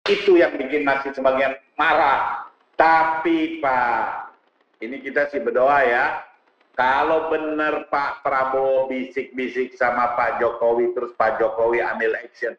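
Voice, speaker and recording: A man chatting as a talk show guest, animated and earnest, often addressing the host as "sir". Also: medium pitch, unhurried. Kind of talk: casual talk show conversation. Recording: roomy, dull studio sound.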